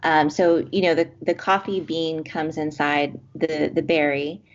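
Low-voiced woman explaining coffee roasting. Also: flat delivery, a little slow, muffled recording. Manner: thoughtful, explaining with fillers. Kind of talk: casual chat.

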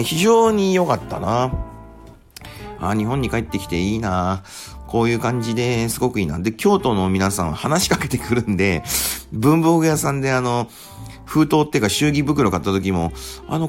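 A man hosting a casual radio segment, telling relaxed stories with plenty of fillers. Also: medium pitch. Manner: chatty, relaxed storytelling with many fillers. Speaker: radio host and rakugo storyteller. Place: Japan.

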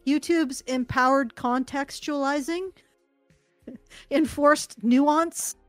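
A woman co-hosting a podcast, chatty and lively in casual talk. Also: sits high, slow pace, dry recording, soft background music. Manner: chatty, lively, giggles often. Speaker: podcast co-host. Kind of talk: casual chat.

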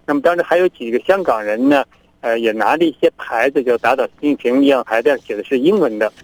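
Fast talking middle-aged guy from china on a remote link, animated, plays out both sides. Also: medium pitch, no room sound, rough recording. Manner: lively storyteller who acts out both sides of arguments. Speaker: interview guest, activist. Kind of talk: recounting events by remote link. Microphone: remote connection.

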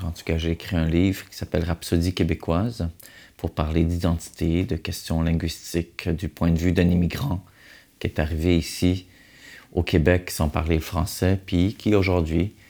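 A man in his forties, born in Hungary and with Hungarian as his first language, calmly recounts his arrival in an interview. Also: low voice, moderate pace. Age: 40s. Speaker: author.

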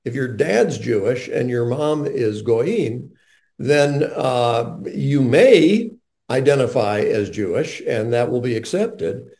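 Earnest older male radio host, mellow tone. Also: medium pitch, takes it slowly. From North Carolina, USA. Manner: earnest, animated storyteller.

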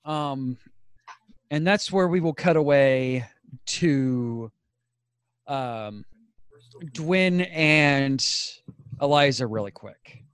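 A man narrating as game master, relaxed and laughing often, with frequent fillers. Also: mid-range voice, very slow, pauses often, smooth, no echo.

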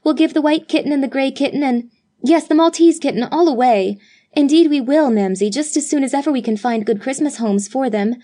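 A woman voicing a group of eager young sisters who plead and chatter excitedly. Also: sits high, voice pushed up. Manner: pleading, raised and quick.

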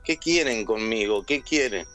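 Animated Argentine caller telling a story. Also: male voice, on the low side, moderate pace, soft background music. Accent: Argentine Spanish. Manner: animated storyteller, acts out quoted voices. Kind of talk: telling a personal story on air.

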